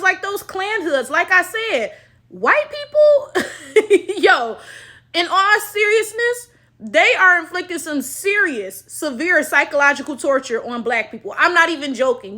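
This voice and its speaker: Bright, high-voiced woman giving emphatic commentary. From United States. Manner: emphatic, rhetorical, punctuated with check-in questions; colloquial, slangy, sardonic. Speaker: social commentary video host. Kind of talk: opinionated casual commentary to camera.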